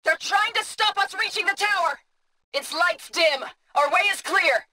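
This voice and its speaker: A resolute tribal woman warrior and healer from a video game. She speaks with earnest conviction in measured, formal phrasing. The recording is close and dry, with no room sound. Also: very high voice, pushed and bright, dry recording, heavily acted. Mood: urgent battle shouting. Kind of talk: game character voice lines.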